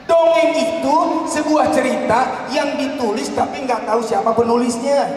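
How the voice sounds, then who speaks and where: A very high-voiced man speaks from far off in a heavily echoing hall. He is a workshop trainer on storytelling, emphatic and teasing, throwing out rhetorical questions over faint noise. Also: a little mellow. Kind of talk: live workshop talk to teachers, theatrical storytelling. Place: large indoor hall at a live event.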